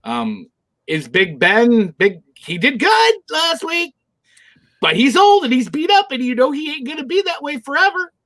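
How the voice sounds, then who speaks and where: A man's voice: very high-pitched, very animated, unhurried, fairly bright tone, dry recording. A middle-aged man from Michigan, co-hosting a casual football picks show and ranting bluntly about teams. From Michigan, USA. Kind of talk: casual sports chat.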